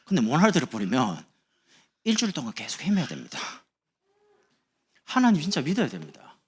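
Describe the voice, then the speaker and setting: A man's voice: medium pitch, huge pitch swings, brisk, slightly rough. A man preaching as a pastor, speaking in a chatty, humorous sermon to his congregation in a church. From Busan, South Korea. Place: church sanctuary.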